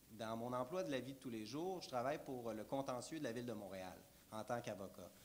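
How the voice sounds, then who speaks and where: Against noticeable background noise, a man of medium pitch talks at a fairly quick pace with ordinary pitch variation. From Quebec, Montérégie (Mont-Saint-Hilaire). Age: 20s. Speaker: political candidate, lawyer. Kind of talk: election debate opening statement. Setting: public debate with audience.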